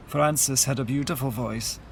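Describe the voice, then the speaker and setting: A man plays a devout Irish Catholic mourner in a radio play. His voice is medium in pitch, earnest and reassuring. He talks conversationally, with faint background noise. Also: unhurried, vocal fry, rough recording. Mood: reassuring, fond. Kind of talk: audio drama acting.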